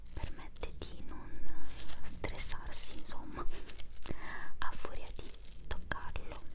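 In a whisper, a soft-spoken woman talks very slowly. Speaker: ASMR creator. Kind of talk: soft-spoken ASMR product talk. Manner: soft ASMR whisper. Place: home room. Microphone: phone near.

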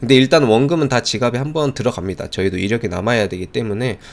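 Lively intonation marks the speech of a man whose voice is medium in pitch. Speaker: crypto investment YouTuber promoting a mining-share scheme. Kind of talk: explanatory sales pitch to camera.

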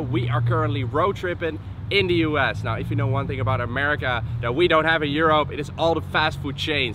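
The speech moves at a fairly quick pace with hardly any pauses and ordinary pitch variation. The sound is dry with no echo, with noticeable background noise. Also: man. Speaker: travel vlogger. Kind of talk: casual vlog chat. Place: cafe.

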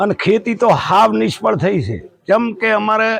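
A man with a high-pitched voice. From Suigam taluka, Banaskantha, north Gujarat. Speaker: village dairy chairman and farmer. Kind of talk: on-site interview.

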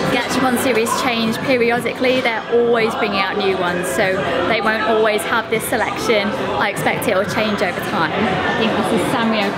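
A woman talks at a fairly quick pace. Loud music plays in the background. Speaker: travel vlogger. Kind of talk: casual vlog chat. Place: shop. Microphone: phone near.

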